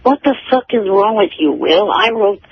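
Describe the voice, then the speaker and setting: Irritable male caller: highish, extremely gravelly fry, blunt and sweary, muffled noisy phone connection. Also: expressive, normal speed, dry recording. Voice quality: hard to understand. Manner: blunt, irritable, foul-mouthed. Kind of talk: casual argumentative radio call. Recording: muffled, poor telephone connection with noise.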